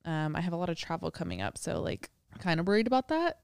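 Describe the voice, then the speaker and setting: A woman's voice: on the low side, huge pitch swings, fast talker, gravelly, clear, resonant tone, no echo. A woman co-hosting a podcast from home, talking casually and saying "like" often. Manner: chatty, heavy use of "like". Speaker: podcast co-host. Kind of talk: casual chat. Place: home living room with dog nearby.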